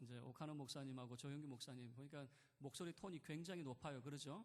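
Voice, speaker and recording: Audible room echo accompanies a man's fairly high-pitched voice. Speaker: pastor. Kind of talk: sermon. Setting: church. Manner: loud and forceful when preaching.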